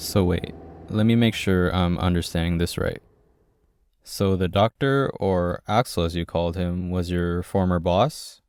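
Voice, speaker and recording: A man's voice: low voice, steady tone, a little slow, darkish tone, smooth, no room sound. A young man playing a devoted, panicky boyfriend with casual, sarcastic asides in an audio roleplay. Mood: incredulous, wry. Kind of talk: ASMR audio roleplay acting.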